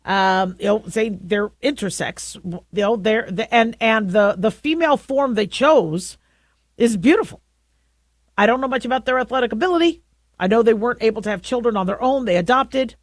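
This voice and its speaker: A middle-aged woman with a deep voice hosting a talk radio show, talking through her views in a conversational way with frequent restarts. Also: animated, dry recording. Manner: conversational, halting with many restarts. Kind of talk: opinionated talk radio monologue.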